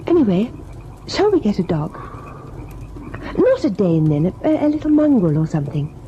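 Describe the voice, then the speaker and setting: A woman's voice: medium pitch, very animated, normal speed, warm tone, lightly acted. An actress playing a wistful, uneasy, girlish young wife in an old-time radio drama. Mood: wistful, playful. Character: uneasy, childlike young wife, affectionate and whimsical. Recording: muffled old radio recording, faint noise.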